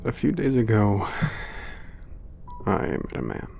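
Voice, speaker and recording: A man playing an old, gentle, reflective giant, speaking in a measured, formal way as in an ASMR letter home. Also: lowish voice, very animated, vocal fry, faint music behind, exaggerated voice. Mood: wistful, measured. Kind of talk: ASMR letter narration and roleplay.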